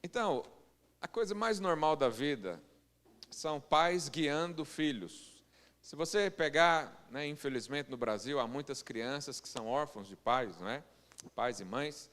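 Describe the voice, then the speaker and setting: A man from Goiânia with a Brazilian Portuguese accent, preaching a sermon as pastor and slowing into loud, emphatic scripture readings. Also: on the high side, lively intonation. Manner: swells loud and slow on scripture quotes. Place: church hall. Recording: long church-hall reverb.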